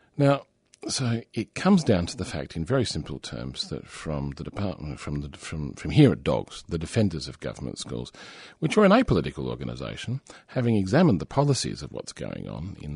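With an Australian accent and vocal fry, a man speaks at a fairly quick pace with very wide pitch swings against a quiet background. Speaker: community radio host. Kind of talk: radio talk show. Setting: studio.

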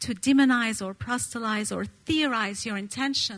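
In a very clean recording with a silent background, a woman speaks in a bright, sharp tone with ordinary pitch variation. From Gaza, Palestine. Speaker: writer and activist. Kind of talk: spoken word performance.

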